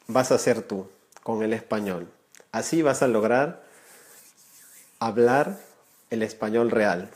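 Earnest male language teacher in his thirties, live stream to camera, mid-pitched voice, small indoor room, webcam sound. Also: darkish tone. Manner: earnest, gestures with hands, addresses viewers directly. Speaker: Spanish teacher, channel creator. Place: small room indoors, warm lamp light.

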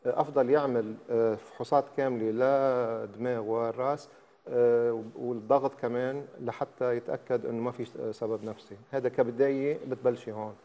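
A man's voice: mid-range voice, fairly even intonation, a little fast, dark tone, long reverb tail. An older man with a Lebanese accent, a doctor guest giving methodical advice to callers in a TV studio. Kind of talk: studio talk show advice.

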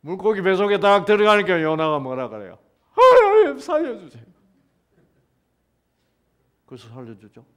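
A man's voice: a little high, expressive, quick pace, hardly any pauses, a bit bright, clear, resonant tone. A man retelling a Bible story as a lecture, firing off rhetorical questions to his listeners. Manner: keeps asking rhetorical questions. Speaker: health lecturer teaching the Bible.

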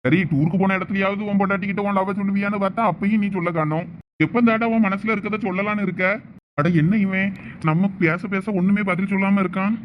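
A young man voicing a village husband and his teasing friend in a comedy drama, with quick chatty banter and worried asides. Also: sits high, lo-fi sound, slight background noise, natural voice.

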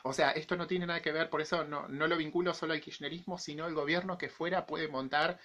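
A man's voice: a little high, fairly even intonation, fast talker, a bit bright. A man in his forties with an Argentine accent, giving his opinion to camera as a vlogger, his voice affected by an infection he is recovering from. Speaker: YouTube vlogger. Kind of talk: personal opinion monologue to camera.

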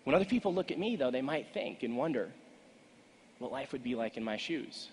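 A man in his twenties giving an earnest, emphatic motivational keynote speech to an audience, with deliberate pauses. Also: mid-range voice, expressive, a little hiss or hum. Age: 20s. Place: large conference stage indoors, seated. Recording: echoey hall with long reverb.

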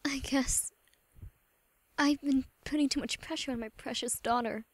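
A woman voicing a weary, regretful mother with a breathy voice in an anime-style audition. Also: sits high, steady tone, normal speed. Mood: sad, regretful.

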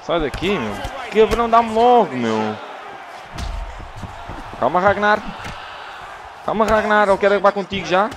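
Portuguese man, gameplay commentator, excitable and lively, noisy capture. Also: sits high, a little slow, pauses often, crowd noise. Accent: European Portuguese. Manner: animated, swings from yelling to groaning. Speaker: gaming YouTuber.

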